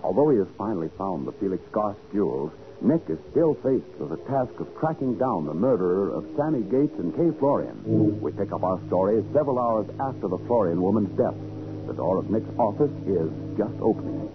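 A man's voice: lowish voice, sing-song, a little fast. An American man announcing and narrating a 1940s radio drama in a dramatic, declamatory scripted style. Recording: muffled old radio recording with music.

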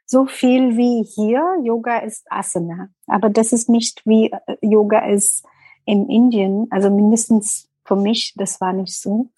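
A woman's voice: medium pitch, steady tone, measured pace, mellow, breathy edge, dry recording, poor audio. A middle-aged woman with an Indian accent, a guest in an interview, speaking thoughtfully and searching for words. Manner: thoughtful, searching for words, mixing in English phrases. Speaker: interview guest, yoga teacher. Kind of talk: interview conversation.

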